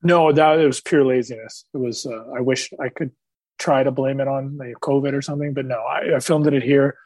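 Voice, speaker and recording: A man being interviewed as a musician, relaxed and joking, laughing a lot and swearing freely. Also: mid-range voice, a little fast, dry recording, low-quality recording. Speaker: musician guest. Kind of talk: casual interview.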